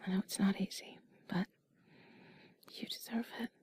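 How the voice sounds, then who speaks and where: Woman acting a whispered role-play of a tender, breathy partner. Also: mid-range voice, fairly even intonation, normal speed. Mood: soothing, tender. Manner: gentle, intimate, reassuring. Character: tender affectionate female partner comforting a loved one. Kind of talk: whispered role-play, intimate ASMR comfort audio.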